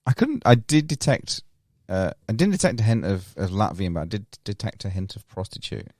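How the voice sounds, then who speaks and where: Male podcast co-host, very deep, lively pitch, dry sound, wry teasing. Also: a little fast, dry recording. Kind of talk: casual banter.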